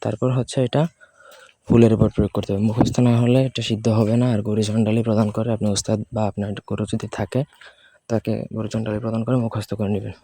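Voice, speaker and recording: Brisk, low, dark-voiced man explaining. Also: level tone. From Bengal. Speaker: channel host teaching spells. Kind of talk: instructional talk to camera.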